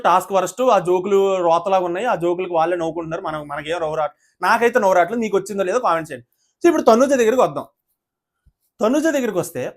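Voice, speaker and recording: A male video reviewer who rants with indignation and calls his viewers "brother". He talks very fast in a high voice and piles up rhetorical questions. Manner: indignant, rapid ranting, addresses viewers as brother. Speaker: YouTube reviewer of a reality show. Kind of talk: opinionated video review monologue.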